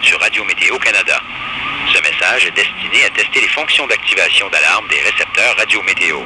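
A man's voice: lowish voice, fast, sharp tone, slight background noise, low-quality recording. A man reading a scripted test announcement as a weather radio announcer, heard through a handheld radio. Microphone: camera held near radio's speaker.

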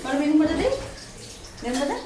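A woman's voice: high voice, sing-song, quick pace, background noise. Chatty woman cooking. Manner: chatty, narrates each cooking step aloud. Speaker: family vlogger. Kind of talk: casual cooking narration. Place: home kitchen. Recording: roomy kitchen sound.

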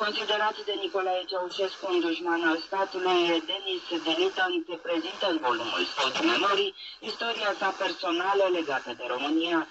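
Man, radio newsreader, scripted delivery, fairly high voice, noisy shortwave reception. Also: highs cut off. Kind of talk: scripted news reading. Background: shortwave static.

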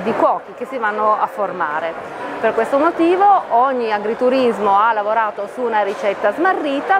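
A middle-aged woman, a training officer, explaining a project at a food fair stand, measured and hesitant with many fillers. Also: fairly high pitch. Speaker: training officer for a farmers' association. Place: busy exhibition hall stand with a crowd. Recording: crowd chatter and hall noise behind.

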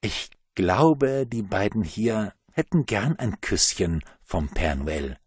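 A man's voice: fairly low pitch, very animated, slow, husky, dry recording, studio quality, heavily acted. A man voicing a friendly, thankful young mother at a Christmas party. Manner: warm, thankful.

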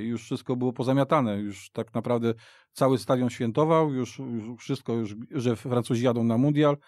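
A man's voice: mid-range voice, darkish tone, no room sound, studio quality. A middle-aged man reminiscing in a casual football discussion, rambling and repeating himself as he tells the story. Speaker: football podcast guest. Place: radio studio.

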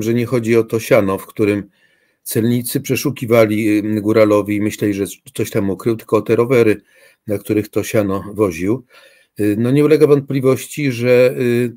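An older man, a philosophy professor guest on a video call from his study, answering slowly and hesitantly, with frequent filler sounds. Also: medium pitch, dark tone, no room sound, clean studio sound. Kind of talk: interview answers. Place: home study with bookshelves.

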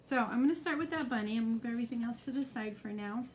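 A woman's voice: a little high, fast talker, a little hiss or hum. A middle-aged woman demonstrating a craft live, explaining each step in a chatty way with frequent ums.

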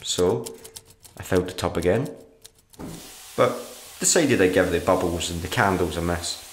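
A man playing a sullen, sardonic writer narrating his diary in a black comedy radio play, dry and deadpan. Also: low voice, moderate pace, close to an everyday voice. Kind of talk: dramatic monologue, diary narration in a black comedy audio drama. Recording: roomy echo with background noise.

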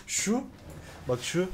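A man's voice: very high-pitched, noisy background. A man hosting a casual chat, playful and teasing, pointing things out to his co-host. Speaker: show host.

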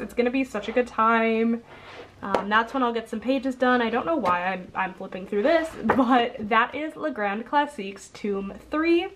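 A young woman who sounds congested, chatting casually as a coloring channel host, rambling with lots of ums and quick self-corrections, recorded indoors at a table. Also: a little high, slight background noise. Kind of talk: casual haul video chat.

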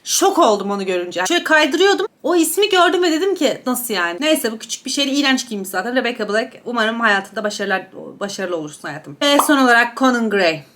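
A woman's voice: a little high, animated, fast, few pauses, fairly bright tone. A young woman chatting casually while eating on camera, gossiping and gushing about celebrity outfits. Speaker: beauty and gossip YouTuber. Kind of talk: casual mukbang chat reviewing celebrity outfits.

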